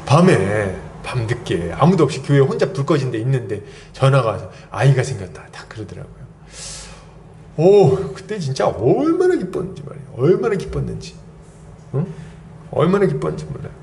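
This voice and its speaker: A man's voice: mid-range voice, moderate pace, gravelly. A man in his thirties, a pastor, preaching a Sunday sermon and telling stories with many rhetorical questions. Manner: lively storytelling with rhetorical questions.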